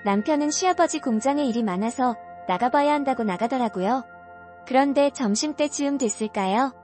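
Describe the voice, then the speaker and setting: A woman reading a first-person story aloud in an earnest, confiding way, over soft background music. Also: sits high, brisk. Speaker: story reader.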